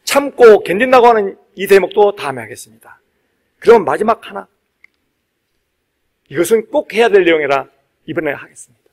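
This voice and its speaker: A man, a Buddhist monk, preaching to a congregation in an emphatic, exhortative way, repeating key phrases and pausing for weight. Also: high voice, animated. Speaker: Buddhist monk giving a dharma talk. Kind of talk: sermon to a live congregation.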